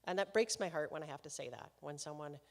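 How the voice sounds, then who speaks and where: A woman's voice: deep voice, fast talker. A woman hosting a live concert series, introducing the performer to the audience in a chatty way and laughing between remarks. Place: concert hall, live event. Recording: long hall reverb.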